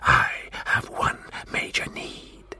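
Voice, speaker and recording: A man voicing an arrogant, menacing Martian warlord in a slow, raspy, hissing whisper. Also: bright, forceful tone.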